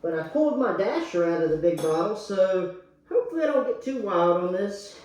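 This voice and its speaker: A man's voice: sits high, animated, a little fast, a little mellow. A drunk man hosting a casual cocktail tutorial online, talking in a slangy, crude, boisterous way. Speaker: YouTube host. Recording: echoey room, faint background noise.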